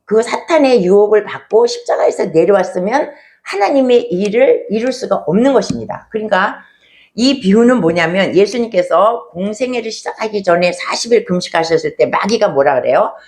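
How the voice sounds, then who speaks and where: Woman pastor preaching, chatty storytelling, lots of rhetorical questions, mid pitch. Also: animated, moderate pace, darkish tone. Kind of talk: sermon.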